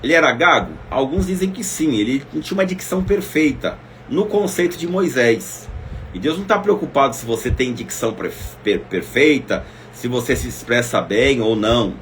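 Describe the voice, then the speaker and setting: Male preacher, middle-pitched, intimate and emotive, addresses the listener directly; faint room hum. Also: expressive, moderate pace. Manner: emotive, swings between loud exclamations and soft asides; speaks directly to listeners as "minha irmã". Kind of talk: devotional Bible teaching.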